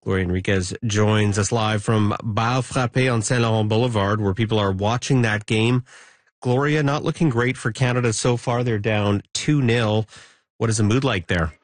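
A man anchoring a live newscast in a steady, measured way. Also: on the low side, dry recording. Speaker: news anchor.

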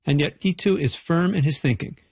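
A man's voice: a little high, a little fast, a little mellow, husky, no echo. A man reporting a radio feature in a wry, playful narration.

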